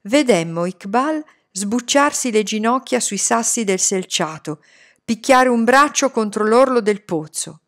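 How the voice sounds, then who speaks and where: A woman narrating a novel chapter in the first person, measured and expressive. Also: a little high. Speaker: audiobook reader. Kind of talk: scripted narration.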